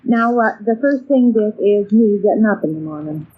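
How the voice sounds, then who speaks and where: A woman's voice: medium pitch, animated, moderate pace, husky. An American actress playing a bustling, mildly exasperated middle-aged housewife and mother in an old-time radio comedy serial, chatty and folksy. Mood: busy, chatty. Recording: muffled, noisy old radio recording.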